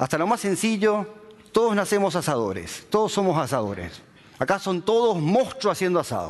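This man's voice is high in pitch, with lively intonation. He talks at a moderate pace. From Paraguay (Asunción), born in Uruguay. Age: 40s. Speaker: TV chef. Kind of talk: talk to an audience. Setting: stage with audience. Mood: warm, humorous. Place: stage.

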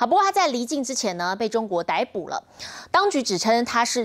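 A woman speaks at a fairly high pitch with very wide pitch swings against a quiet background. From Taiwan. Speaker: news anchor. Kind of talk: news reading. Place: studio.

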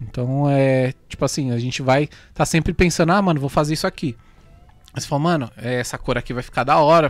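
Here a man talks at a fairly quick pace with ordinary pitch variation. The sound is dry, with no echo. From Carapicuíba, São Paulo state, Brazil; São Paulo state, Brazil. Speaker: DJ and music producer; DJ, guest. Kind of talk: casual interview. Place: studio. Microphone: studio mic.

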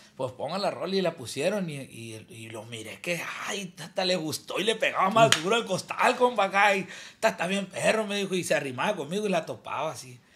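A high-pitched man speaks at a fairly quick pace, with very wide pitch swings and big swings in loudness, over noticeable background noise. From Mexico, Sonora. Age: 20s. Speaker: regional Mexican singer. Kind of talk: casual interview.

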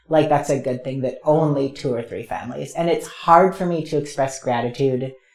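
A man at a fairly quick pace, intonation fairly even, with audible room echo. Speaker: interviewee. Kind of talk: interview answer. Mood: earnest, reflective. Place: studio.

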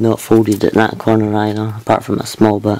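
His intonation stays monotone and flat. The man speaks at a moderate pace. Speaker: YouTuber showing a book collection. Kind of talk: casual show-and-tell video. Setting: recording close behind a camera. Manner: loud; hesitant, many ums. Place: home room. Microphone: phone near.

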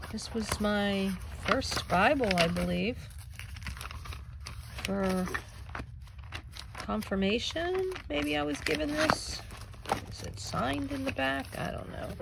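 Amid loud background noise, a woman talks at a very slow pace, leaving long, frequent pauses. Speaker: vlogger sorting belongings. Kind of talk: casual vlog chat. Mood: reflective, mildly wry. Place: garage. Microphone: phone near.

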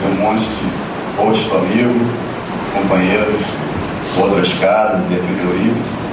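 Loud background noise and audible room echo surround a man as he talks. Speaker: guest lecturer. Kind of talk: lecture. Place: hall.

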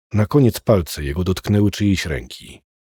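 A man's somewhat breathy, dark, mellow voice at fairly low pitch, dry and close with no echo, in a very clean recording with a silent background. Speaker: audiobook narrator. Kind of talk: dramatic audiobook narration of a detective story. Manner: vivid, theatrical, suspenseful.

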